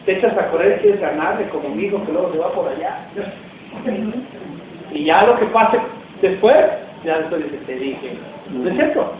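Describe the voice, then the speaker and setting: A man's voice: sits high, normal speed. A man preaching a sermon as pastor, talking casually and asking the congregation questions. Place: church hall. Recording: distant, echoey, tinny, faint noise.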